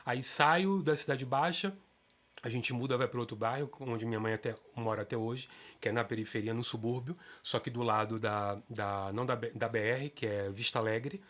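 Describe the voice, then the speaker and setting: A man in his fifties from Salvador with a Bahian Brazilian accent, telling his life story as a guest in a relaxed interview. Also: normal speed. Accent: Bahian Brazilian Portuguese. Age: 50s. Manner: animated storyteller, pitch rises when excited. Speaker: guest, stage actor.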